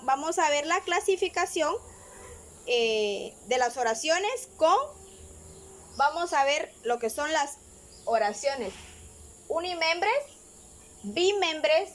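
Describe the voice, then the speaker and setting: A woman's voice: sits high, animated. A woman teaching a grammar lesson, explaining patiently step by step and often checking in with her listeners. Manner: frequent filler pauses.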